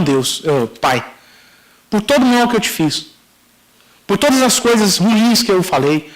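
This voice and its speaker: A middle-aged Brazilian pastor with a notably high-pitched voice delivers a sermon testimony. He acts out the dialogue in the story and speaks straight to the listeners, calling them brothers. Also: fairly bright tone, low-quality recording. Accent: Brazilian Portuguese.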